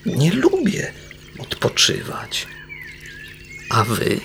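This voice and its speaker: A man's voice: on the high side, huge pitch swings, drawn-out words, vocal fry, noisy background, pitched above the performer's own voice, full character voice. A man voicing a hard-working male beaver in a storybook, blunt and mumbling. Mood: gruff.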